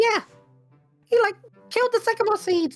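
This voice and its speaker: An extremely high, squeaky put-on character voice at a moderate pace, with faint music in the background. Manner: tattling, accusing.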